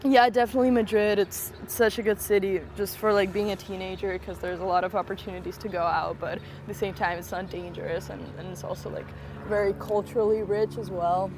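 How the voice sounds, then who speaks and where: A woman's voice: medium pitch, steady tone, brisk, a little mellow. A young woman from Spain, a photographer and director, talking in a casual walking interview with lots of "like" fillers and restarts. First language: Russian. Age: young adult. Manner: chatty, many "like" fillers and restarts. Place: outdoors on a college campus near traffic. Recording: outdoor street noise behind the voice.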